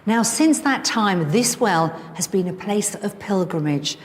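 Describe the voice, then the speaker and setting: A woman presenter giving measured, informative scripted voice-over for a television property programme. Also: mid-range voice, lively intonation, a little hiss or hum. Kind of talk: scripted TV narration. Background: background music.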